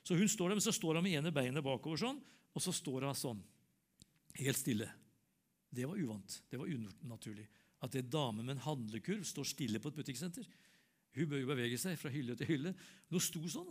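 Older man, sermon storytelling, voices both sides of the dialogue, slightly high voice. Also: lively intonation. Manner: storytelling, acts out dialogue, drops to soft low voice in quoted prayer. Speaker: preacher.

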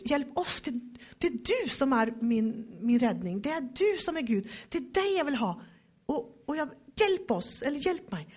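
Woman w a doing bible teaching, reads verses slow n heavy then chats about them, kinda husky and higher pitched. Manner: reads scripture slowly and emphatically, then talks it over. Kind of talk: devotional Bible teaching from slides.

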